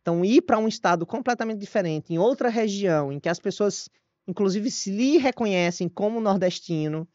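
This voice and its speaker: A man with a northeastern Brazilian accent, a guest historian telling his own story in an interview, animated and self-deprecating. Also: high voice, fairly quick, no room sound. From Northeast Brazil (Paraíba, Ceará). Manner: animated, self-deprecating, frequent restarts and laughs. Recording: dull lo-fi dry audio.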